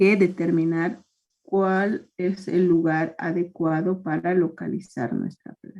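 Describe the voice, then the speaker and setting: Speaking at a very slow pace, a woman uses a medium pitch with ordinary pitch variation and a dark, mellow tone. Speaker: university lecturer. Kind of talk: lecture.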